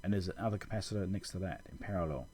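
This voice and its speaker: A man hosting an electronics repair video gives a casual technical tutorial over schematics, explaining as he thinks aloud. His voice is low-pitched, rapid-fire, and a little mellow, with a slight hiss or hum.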